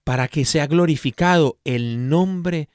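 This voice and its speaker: A man co-hosting a Catholic program, preaching warmly to listeners and acting out playful voices. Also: on the high side, takes it slowly, clean tone, no echo, studio quality. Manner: animated, exhorting listeners directly, acts out voices playfully. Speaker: co-host of a Catholic radio program. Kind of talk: preaching in casual chat.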